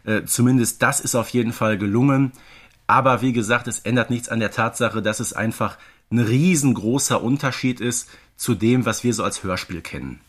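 Male podcast co-host, mid-pitched, conversational and explanatory, given to asides. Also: normal speed, fairly bright tone.

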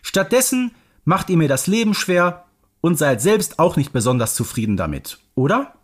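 A man's voice: on the high side, sing-song, normal speed, pitched above the performer's own voice. A man voicing a bullied young witch girl, hurt but brave, in a children's audio story. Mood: pleading, firm.

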